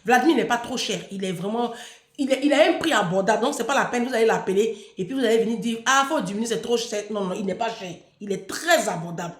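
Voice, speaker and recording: High-pitched woman scolding her followers. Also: fast talker, roomy sound. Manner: scolding, emphatic, repeats words. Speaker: online personality addressing followers. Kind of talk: unscripted livestream monologue.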